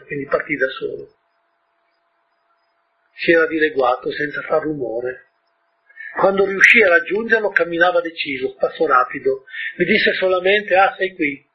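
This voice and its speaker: A man with a husky voice retelling a story to an audience, often breaking off with informal asides and questions to his listeners. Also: a little high, dull audio.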